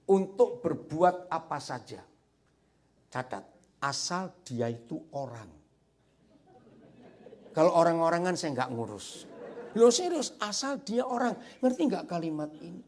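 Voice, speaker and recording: A man preaching a sermon as pastor, telling a story with lively asides to the congregation. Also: sits high, a little slow, pauses often. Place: church sanctuary.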